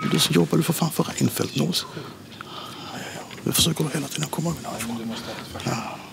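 Whispering at a fairly quick pace, a man leaves long, frequent pauses against noticeable background noise. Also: dry sound with no echo. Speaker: politician, justice minister. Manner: whispered. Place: hall. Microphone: podium.

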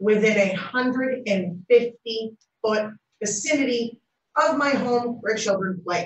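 The speech moves at a very slow pace with ordinary pitch variation, and audible room echo is present. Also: woman. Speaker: resident giving public comment. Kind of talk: public comment at a meeting. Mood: concerned, earnest. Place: meeting room. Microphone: camera far.

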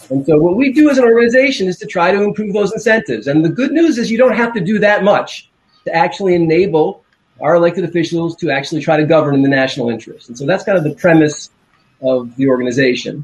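Talking at a very fast pace, a man with an American accent uses a high pitch and very wide pitch swings. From United States. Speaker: think tank president. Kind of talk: panel discussion. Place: home room. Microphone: video call.

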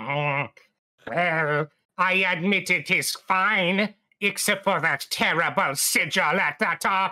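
A put-on character voice, female-sounding, at medium pitch for a woman and a very slow pace. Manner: stiff, literal, defensive.

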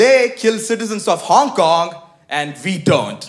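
Over light background noise, a man speaks fairly slowly at a high pitch with lively intonation. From India. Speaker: comedian roasting China. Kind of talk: stand-up roast comedy. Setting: stage with live audience. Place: stage. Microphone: handheld.

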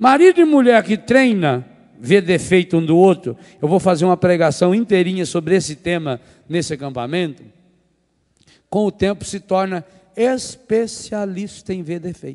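A man with a Brazilian accent speaks in a high pitch at a moderate pace, with lively intonation and an animated tone. The background is quiet. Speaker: preacher. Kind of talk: sermon at a camp. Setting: camp, live audience. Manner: humorous, exaggerating. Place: church. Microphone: handheld.

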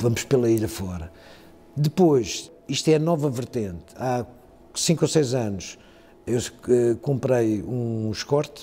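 A man at a very slow pace, long, frequent pauses, medium pitch, a dark, mellow tone and lively intonation. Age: 70s. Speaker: car collector. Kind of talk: interview. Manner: hesitant, repeats words.

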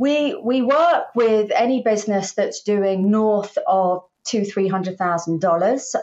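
Speaking fairly slowly with a southern English accent, this voice has lively intonation and hardly any pauses against a quiet background. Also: woman, fairly high pitch for a woman. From England. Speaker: business consultant. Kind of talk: interview. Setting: video call. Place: home room. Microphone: webcam.

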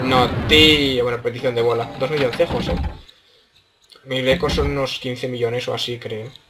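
Here a man speaks at a medium pitch. His pace is moderate. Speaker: gaming youtuber. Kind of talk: gameplay commentary. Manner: animated.

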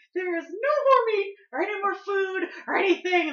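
A woman puts on a shrill character voice at an extremely high pitch, speaking at a moderate pace.

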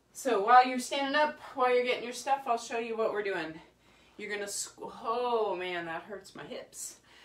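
With audible room echo, a woman talks energetically at a moderate pace in a fairly high voice, with ordinary pitch variation and big swings in loudness. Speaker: fitness instructor. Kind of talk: live-streamed fitness class, barked exercise cues and countdowns. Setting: video call. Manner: brisk, energetic, encouraging, rhythmic counting. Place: home room. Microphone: camera far.

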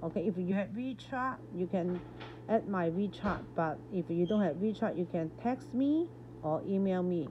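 A woman with a Chinese accent, somewhat breathy, at a moderate pace with ordinary pitch variation and very even loudness, light background noise behind her. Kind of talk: sales pitch. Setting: video. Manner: animated. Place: shop. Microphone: phone near.

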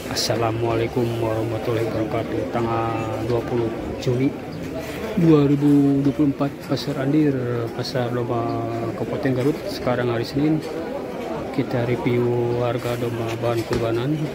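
Loud background noise fills the recording. Through it, a man speaks at a fairly slow pace. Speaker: market vlogger. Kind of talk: casual vlog chat. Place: market. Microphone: phone near.

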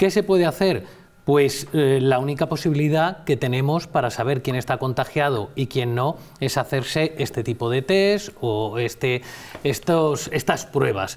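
A man talks at a fairly high pitch and a fairly slow pace, with ordinary pitch variation. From Spain, Talavera (Castile-La Mancha); Castile-La Mancha, Spain. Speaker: law graduate and media analyst; media analyst. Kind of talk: televised political panel debate. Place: studio. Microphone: lapel.

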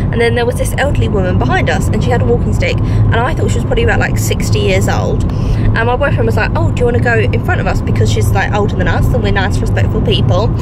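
A woman talks at a very fast pace with hardly any pauses. Loud background noise surrounds her dry voice, which has no echo. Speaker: vlogger. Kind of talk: casual vlog chat. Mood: chatty, amused storytelling. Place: car. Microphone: phone near.

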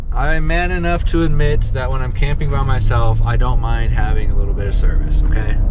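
A man talks at a fairly quick pace with hardly any pauses. The sound is dry with no echo, though noticeable background noise is present. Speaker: solo car camper vlogger. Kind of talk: casual vlog chat. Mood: upbeat, slightly stressed, laughing. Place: car. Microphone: phone near.

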